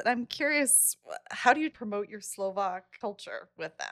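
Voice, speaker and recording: In an American accent, a woman with a fairly high pitch talks at a moderate pace with lively intonation and an unremarkable speaking voice. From US. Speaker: podcast host. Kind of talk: interview conversation.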